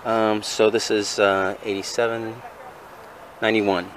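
Outdoors beside a van with a noisy background, a man films his flea market finds first-person on a handheld camera. In a lowish, level, unhurried voice, this flea market vendor and vlogger mumbles and hesitates through casual narration, counting aloud what he spent with lots of fillers.

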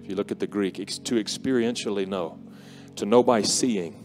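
This is a forties-aged preacher giving the final exhortation of a conference, speaking quietly and sincerely in a fairly low register. He pauses often and uses fillers, holding a handheld microphone on a big indoor arena stage as worship music runs beneath his words.

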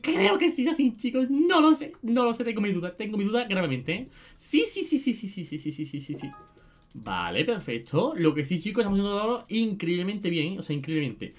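A young woman with a Spain Spanish accent giving excitable let's-play commentary, shrieking and rattling off repeated words. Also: medium pitch, brisk. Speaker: gaming video creator.

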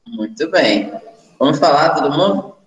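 Over a laptop video call from an echoey room, a young Brazilian Portuguese-accented teacher leads an English class, patiently repeating sentences for students. He speaks at a measured pace in an expressive, somewhat high voice.

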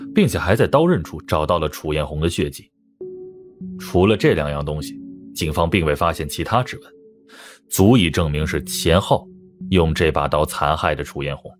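Very deep-voiced male audiobook narrator. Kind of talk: scripted dramatic detective-novel narration in first person.

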